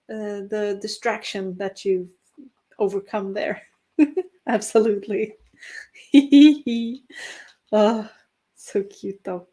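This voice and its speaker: امرأة نرويجية تتحدث ببطء مع ضحكات. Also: female voice, mid-range voice, darkish tone. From Norway. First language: Norwegian. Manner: slow, chatty, with frequent laughs and fillers. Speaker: writing stream host. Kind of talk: casual livestream chat with viewers.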